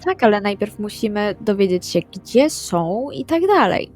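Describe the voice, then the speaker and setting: A woman's voice: mid-range voice, sing-song, normal speed, a little mellow. A woman speaking in character as a player in a tabletop roleplaying session. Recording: music bed under the voice. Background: background music.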